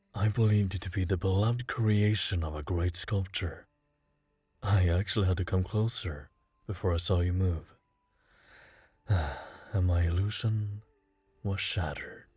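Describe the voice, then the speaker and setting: A soft-spoken man in a put-on character voice, very deep and low in pitch, at a moderate pace with long, frequent pauses, faint music in the background. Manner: soft, flirtatious.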